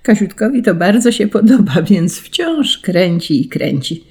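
Dark husky storybook narrator. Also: mid-range voice, a little slow. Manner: gentle, expressive storytelling. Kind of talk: storybook reading.

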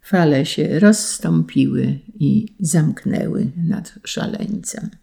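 Audiobook narrator, slow unhurried reading, gravelly voice, solemn, classic tale. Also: medium pitch, dark tone. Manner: measured, solemn storytelling.

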